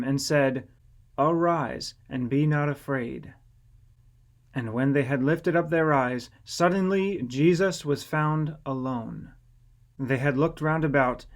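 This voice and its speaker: Male narrator for scripture audiobook, somewhat higher-pitched voice, measured and solemn delivery.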